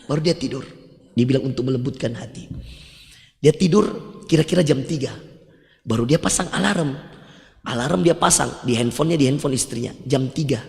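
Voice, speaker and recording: A man's voice: medium pitch, moderate pace, creaky, pauses often, darkish tone. A man with a Makassar Indonesian accent giving a mosque sermon, telling stories with humor and quoting Arabic. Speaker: preacher. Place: large mosque hall. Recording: long mosque reverb.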